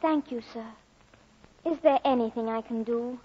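A woman's voice: on the high side, normal speed, lightly acted. A woman playing an earnest young child in a mid-century radio drama. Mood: polite, pleading. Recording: noisy, muffled old radio recording.

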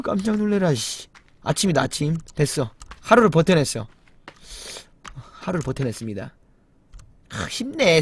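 Young male game streamer, high and very animated, easily spooked, talks to his chat, light background hiss. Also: slightly rough. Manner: jumpy, exclaims loudly when startled, then mutters low; chats with viewers and reads the chat. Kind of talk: live game commentary.

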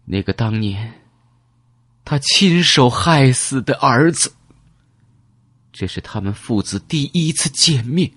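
A man's voice: mid-range voice, lively intonation, takes it slowly, pauses often, fairly bright tone, husky, dry recording, pitched above the performer's own voice, exaggerated voice. A man voicing a grieving blind old grandmother. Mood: bitter.

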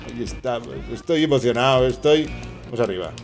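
Excitable Spanish man streaming gameplay. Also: medium pitch, brisk, faint music behind. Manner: excitable, swearing, chatty asides to chat. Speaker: gaming streamer. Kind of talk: casual live gameplay commentary.

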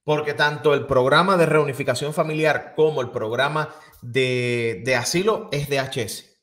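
A man's voice: medium pitch, moderate pace, a bit bright. A man in his thirties hosting a news show, interviewing a guest and reading viewer questions aloud at a studio mic. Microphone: studio microphone on boom.

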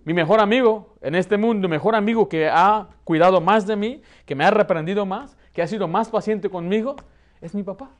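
Bilingual pastor guy preaching, mexican spanish accent, kinda high voice, really animated. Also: fairly quick. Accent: Mexican Spanish, learned in the United States. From United States. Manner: animated, lively preaching with gestures at a pulpit. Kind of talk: sermon. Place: church hall, plain indoor room.

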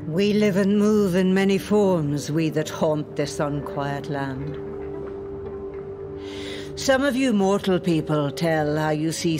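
An actress playing an ancient, feared lake spirit in a lyrical, deliberate audio drama monologue. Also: female voice, fairly low pitch, natural voice. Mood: eerie, wry. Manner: slow, deliberate, lyrical storytelling. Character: ancient female lake spirit, feared, haunting, proudly otherworldly.

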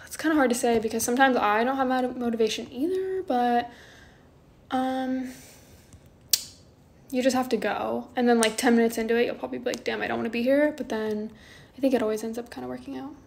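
Soft-spoken young woman on a phone live. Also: a little high, vocal fry. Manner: soft, drowsy and unhurried, often trailing off. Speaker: livestream host. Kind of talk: casual chat answering viewer comments. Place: small bedroom indoors. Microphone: phone held close, front camera.

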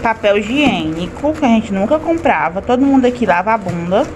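A woman's voice: a little high, expressive, brisk. A woman, chatting casually on a phone camera while unpacking groceries in her home kitchen. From Fortaleza, Brazil. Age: 20s. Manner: chatty, listing items as she unpacks. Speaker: family vlogger. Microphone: handheld phone camera. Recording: noisy home with washing machine.

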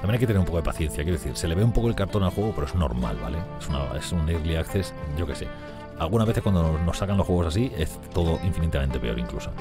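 A man's voice: low-pitched, lively intonation, very fast, music in the background. A man, casually commentating his game and talking to his characters as he plays. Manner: chatty, talks to his characters. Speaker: gameplay youtuber.

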